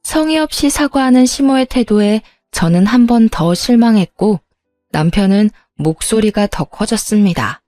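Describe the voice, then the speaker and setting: A woman narrating a dramatized story in a calm, steady manner and voicing herself in it. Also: medium pitch, moderate pace, dry recording, clean studio sound, soft background music.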